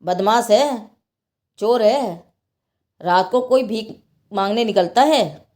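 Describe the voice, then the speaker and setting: A woman voicing a stern, suspicious male night watchman in a told story, sharp and accusing. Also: medium pitch, slow pace, close to an everyday voice.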